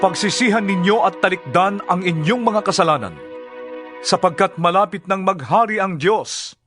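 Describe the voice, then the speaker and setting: A man's voice: high-pitched, moderate pace, natural voice. An actor with a Filipino accent playing a resolute holy male teacher, firm and declarative, in a dramatized audio Bible. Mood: earnest. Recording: music under the voice.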